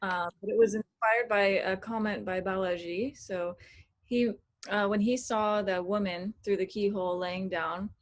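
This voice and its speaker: A woman with a middle-pitched voice speaking in a chatty, curious way, with small hesitations as she works through her thought. She sounds like a moderator guiding a group session. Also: fairly even intonation, moderate pace. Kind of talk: casual discussion and hosting.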